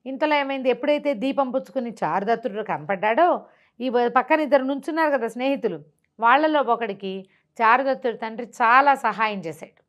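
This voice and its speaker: A woman's voice: on the high side, animated, fairly quick, a bit bright, muffled recording. A woman tells a classical tale off the cuff as a storyteller, explaining conversationally and repeating phrases as she goes.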